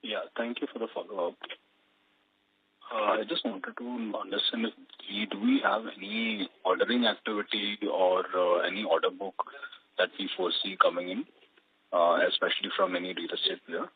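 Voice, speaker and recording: A man's voice: deep voice, moderate pace, creaky. A man asking questions as an analyst on an earnings conference call. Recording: narrow, dull phone line.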